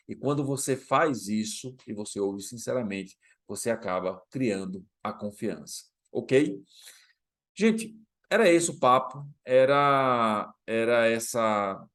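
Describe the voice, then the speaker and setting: A man giving an animated motivational lesson, turning to viewers often with quick check-in questions. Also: lowish voice. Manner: animated, speaks to viewers directly with tag questions. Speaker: coach. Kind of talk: motivational talk to camera.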